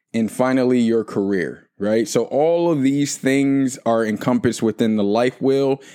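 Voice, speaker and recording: Very slowly, a man speaks at medium pitch with a dark, mellow tone. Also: very clean recording, silent background. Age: 30s. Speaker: life and relationship coach. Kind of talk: podcast monologue.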